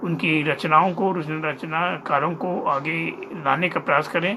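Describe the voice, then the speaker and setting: There is noticeable background noise behind this speaker. He is a man with a high-pitched voice. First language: Mundari (speaking Hindi). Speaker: writer and former radio journalist. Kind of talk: interview talk. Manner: halting.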